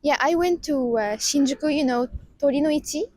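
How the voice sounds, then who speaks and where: A woman's voice: sits high, fairly quick, darkish tone, low-quality recording. A woman, a student, answering eagerly and often saying "you know". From Egypt. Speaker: student, interviewee. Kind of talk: casual street interview.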